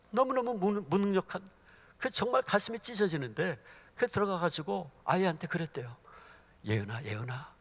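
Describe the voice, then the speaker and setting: A male pastor preaching a sermon at a church service, telling a story with emotion and building to loud exhortation. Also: fairly high pitch.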